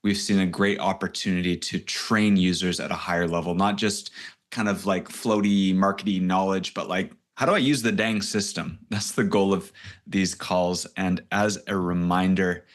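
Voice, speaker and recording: Male webinar host, lower voice, casual and rambling, video call audio. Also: fairly even intonation, a little slow. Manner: rambling, self-deprecating, loose and chatty. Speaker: host and coach. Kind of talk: casual online coaching session.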